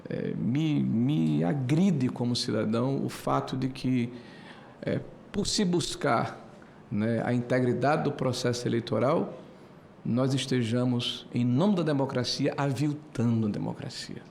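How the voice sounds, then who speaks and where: A man in his sixties giving a committee floor speech, hesitant with many filler pauses, building to emphatic indignation. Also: medium pitch, creaky, darkish tone, a little hiss or hum. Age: 60s. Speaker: senator. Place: senate committee room.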